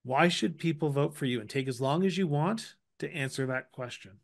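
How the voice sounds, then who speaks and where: Gravelly middle-aged male podcast host. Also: on the high side. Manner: halting starts, playful asides. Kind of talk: interview questions. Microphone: studio mic with headphones.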